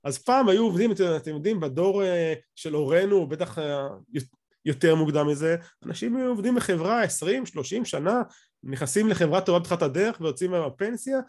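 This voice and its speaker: A middle-aged man with an Israeli accent and a high, expressive, darkish voice gives an off-the-cuff academic lecture over slides on a video call. He often restarts his phrases as he explains things.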